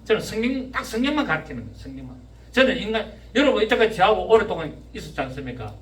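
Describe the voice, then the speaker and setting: A pastor in his fifties with a Gyeongsang accent, preaching a sermon, often shouting and firing questions at his congregation. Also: high-pitched, big pitch swings, very fast. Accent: Gyeongsang Korean. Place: church sanctuary. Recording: echoey church room, mic at a distance.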